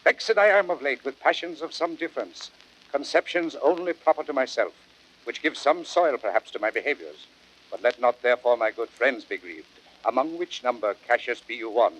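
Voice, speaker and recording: A man playing a thoughtful, troubled Roman statesman in vintage radio Shakespeare, speaking gravely and formally with a husky voice. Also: mid-range voice, lively intonation, moderate pace, a bit bright. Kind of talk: 1930s radio Shakespeare acting. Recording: dull, band-limited vintage radio recording.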